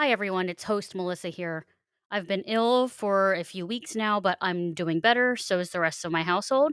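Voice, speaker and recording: With a Mid-Atlantic US accent, a woman of medium pitch speaks at a moderate pace with ordinary pitch variation, in a very clean recording with a silent background. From southern New Jersey, US. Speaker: podcast host, librarian and home cook. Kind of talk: podcast monologue.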